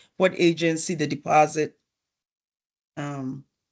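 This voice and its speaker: A woman's voice against a quiet background. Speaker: campaign coordinator trainer. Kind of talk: virtual training presentation. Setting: video call. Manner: halting, many fillers.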